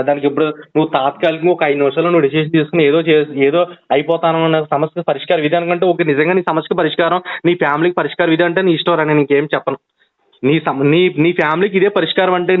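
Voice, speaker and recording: A man on a phone call, urgently pleading and reasoning with a friend, with many restarts. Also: fairly high pitch. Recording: tinny phone line recording.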